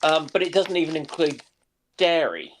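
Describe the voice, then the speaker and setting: A man in a casual live chat, talking haltingly with pauses between short phrases. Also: fairly high pitch, very animated.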